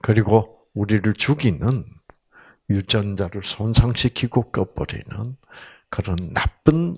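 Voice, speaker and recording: Somewhat breathy, a man with a fairly low pitch speaks at a very slow pace over a quiet background. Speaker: health seminar lecturer. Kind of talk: lecture. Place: hall. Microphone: handheld.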